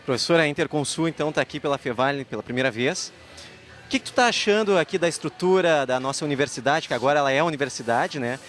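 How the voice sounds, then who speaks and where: Casting: southern Brazilian man, informal interviewer, rapid delivery, slightly high voice, ambient noise around him. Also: fairly bright tone.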